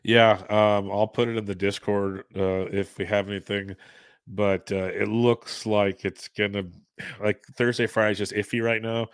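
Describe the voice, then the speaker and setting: Sick-sounding man, low and dry. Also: flat delivery, moderate pace, clean tone, no room sound. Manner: loose, rambling, chuckles often. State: sick, under the weather. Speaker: podcast co-host. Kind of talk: casual sports betting chat.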